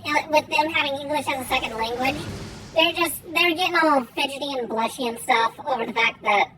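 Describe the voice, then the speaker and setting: A woman giving casual gameplay commentary and chatting with viewers in a rambling, halting way, her R's softened toward W. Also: high voice, slight background noise, low-quality recording. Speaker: game streamer. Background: faint music.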